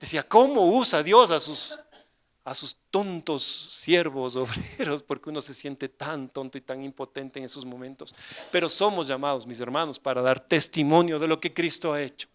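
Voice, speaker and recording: Older pastor, high voice. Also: male voice, moderate pace. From Ecuador. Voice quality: storytelling with dramatic swings from loud declarations to hushed asides. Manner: addresses the congregation directly with rhetorical questions. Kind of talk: sermon.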